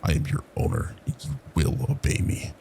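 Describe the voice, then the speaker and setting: A man voicing a cruel, domineering middle-aged aunt in a horror story, menacing and commanding, with a gravelly voice. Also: very deep voice, huge pitch swings, moderate pace, warm tone, a little hiss or hum, heavily acted. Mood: stern, commanding.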